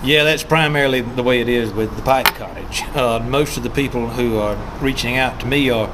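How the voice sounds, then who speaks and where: A man hosting a conversational interview in an earnest, deliberate way. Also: mid-range voice, heavy background noise. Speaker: host of a pipe hobby channel.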